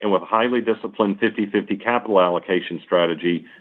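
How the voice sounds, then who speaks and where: Over a narrow, phone-like connection, a middle-aged man speaks in a low-pitched voice. He sounds like a company executive reading prepared remarks, setting out each point formally and methodically. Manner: formal, measured, enumerating points. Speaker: company executive on earnings call. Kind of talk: scripted corporate presentation. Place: conference call line.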